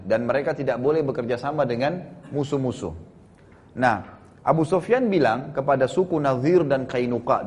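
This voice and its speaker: A man's voice: mid-range voice, a little mellow. A male preacher telling a religious history story in a lecture, acting out the people he quotes.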